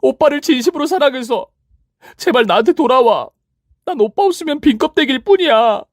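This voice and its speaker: A man's voice: very high-pitched, expressive, a little fast, no room sound, studio quality, pitched above the performer's own voice. A man voicing a desperate, clingy young woman who pleads and shrieks. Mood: pleading.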